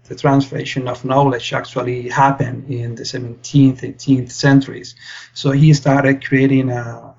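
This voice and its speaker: A man's voice: medium pitch, gravelly, darkish tone, muffled recording. A young man from Spain, a PhD student, explaining his work earnestly as a podcast guest. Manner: earnest, explains with many fillers and restarts. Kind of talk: interview answers.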